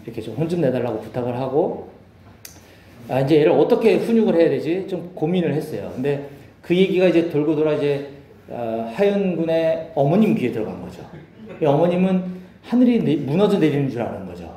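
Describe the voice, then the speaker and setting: A man in his forties giving a relaxed, chatty Bible message to a group of small-group leaders in a meeting room. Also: on the high side, fairly quick, reverberant, slight background noise. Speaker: lay Bible teacher.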